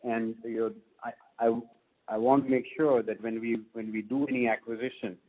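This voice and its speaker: Over a thin, tinny phone line, an Indian-accented man answers business questions as a company executive. His voice sits at a middling pitch. He speaks off the cuff and stresses points by repeating words. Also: little pitch movement, moderate pace. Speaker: company executive on an earnings call. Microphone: conference call line.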